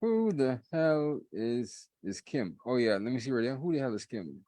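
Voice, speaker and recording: A man's voice: mid-range voice, big pitch swings, normal speed, dark tone, dry recording. A man co-hosting a live podcast, chatting casually, laughing often and repeating "okay, okay.". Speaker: podcast co-host.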